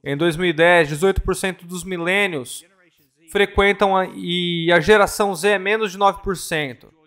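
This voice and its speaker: A man with a high, somewhat bright voice serves as interpreter for a ministry talk at a church conference. His delivery is earnest and measured, with occasional corrections made mid-word.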